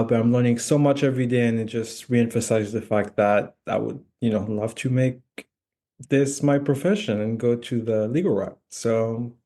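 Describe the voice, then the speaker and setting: Hesitant young man from France, mellow voice. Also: medium pitch. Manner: hesitant, many fillers, searching for words. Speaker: guest, former student. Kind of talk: casual interview answers.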